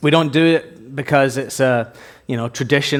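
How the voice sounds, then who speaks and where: Fairly high in pitch, a man speaks at a fairly quick pace. His pitch variation is ordinary. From Scotland. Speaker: youth pastor. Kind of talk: sermon. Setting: church stage with congregation.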